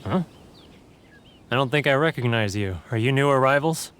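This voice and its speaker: A man's voice: mid-range voice, fairly bright tone, slight background noise. A man playing a surly, cagey black-market trader in a video game, talking in a sneering, brusque and dismissive way. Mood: suspicious, sarcastic.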